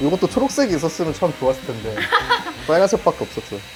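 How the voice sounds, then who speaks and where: A man speaks at a fairly high pitch with very wide pitch swings, music playing in the background. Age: 30s. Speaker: graphic designer, homeowner on room tour. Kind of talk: casual interview, room tour.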